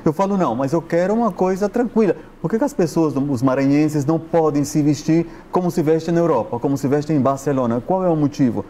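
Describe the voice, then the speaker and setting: A man's voice: on the high side, fairly quick, few pauses, mellow. A man in his forties, a fashion stylist guest, chatting on a TV studio set with a lapel mic, talking with his hands and tagging his sentences with questions. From Brazil. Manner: chatty, gesturing, frequent tag questions. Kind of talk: casual interview chat. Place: TV studio set, seated on sofa.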